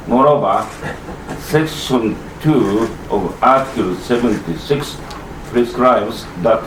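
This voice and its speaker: A native Japanese speaker reading prepared remarks in English at a press conference, slow and halting. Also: male voice, medium pitch. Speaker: constitutional law professor at press conference. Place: press club conference room. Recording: roomy, distant mic, faint noise.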